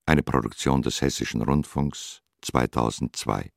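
A man reading scripted radio credits in a measured, formal announcer's manner. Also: rumbling low, vocal fry, dry recording. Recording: studio voice over music. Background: music.

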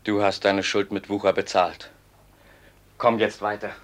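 A loyal member of a robber gang, voiced by a man in a classic radio drama. He speaks earnestly, his voice deep. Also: flat delivery, unhurried, lightly acted. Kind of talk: classic radio play acting.

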